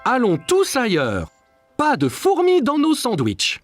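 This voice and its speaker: Patient cartoon dad, unhurried, lots of melody in the voice, music behind. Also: mid-range voice, no room sound. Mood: dismayed. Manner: calm, encouraging, reassuring. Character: patient, reassuring father of young children. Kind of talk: children's cartoon dubbing. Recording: music under the voice.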